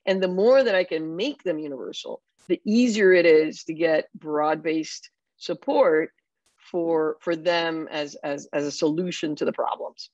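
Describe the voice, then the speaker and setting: A woman's voice: deep voice, measured pace, darkish tone, no room sound. A woman in her fifties from Puerto Rico, an elected official, speaking candidly and reflectively on a panel over a video call. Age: 50s. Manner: candid, reflective, frequent "you know". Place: home room with bookshelves, indoors. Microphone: video call webcam. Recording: dull, dry webcam audio.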